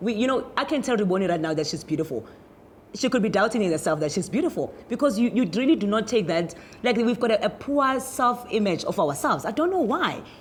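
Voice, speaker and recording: A woman talks at a very fast pace with a fairly high, somewhat breathy voice. Her pitch swings very widely. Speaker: talk show host. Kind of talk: studio talk show discussion. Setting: studio.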